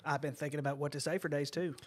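A man with a high-pitched voice co-hosts a casual sports podcast. He speaks earnestly, circling back and repeating his points for emphasis. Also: fairly even intonation, rapid-fire, slightly rough. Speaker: podcast co-host.

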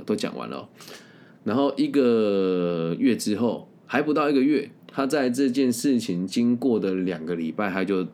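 A man's voice: fairly low pitch, darkish tone. A man, talking as a career-planning coach. He tells the story in a casual, straight-talking monologue and caps his sentences with lingering particles. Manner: blunt and candid, tags sentences with drawn-out particles.

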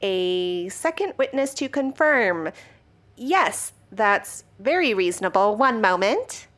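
A woman's voice: mid-range voice, sing-song, takes it slowly, a bit bright. A woman voicing a prim, officious older woman neighbor in an audio drama, chatty and prissy. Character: prim, nosy older woman neighbor phoning an informant line.

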